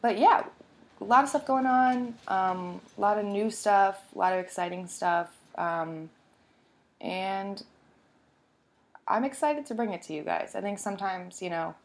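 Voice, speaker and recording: A woman hosting a podcast in a casual, upbeat way, her voice hoarse from being sick, recorded in a home basement. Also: medium pitch, a little slow. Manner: chatty and upbeat, with many fillers. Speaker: podcast host. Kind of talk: casual podcast chat and phone interview.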